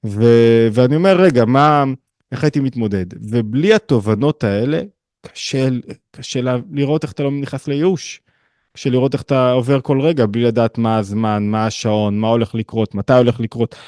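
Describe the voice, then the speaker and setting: A man teaching a casual weekly spiritual lesson over a video call, animated and conversational, jumping up in pitch to stress points and acting out quoted voices. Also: no echo, clean studio sound. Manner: conversational with slang and many restarts. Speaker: teacher of a weekly online class.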